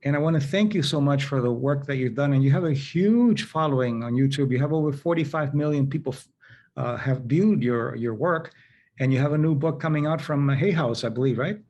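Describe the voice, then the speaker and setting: A man's voice: mid-range voice, a little fast, darkish tone, highs cut off. A man hosting a conversational interview, telling anecdotes and acting out quoted dialogue. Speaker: host.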